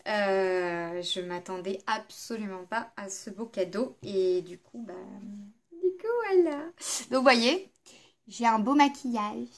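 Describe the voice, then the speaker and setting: A woman's voice: mid-range voice, lively intonation, slow. A woman vlogger chatting casually through a makeup palette review, hesitant and full of fillers. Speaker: beauty vlogger.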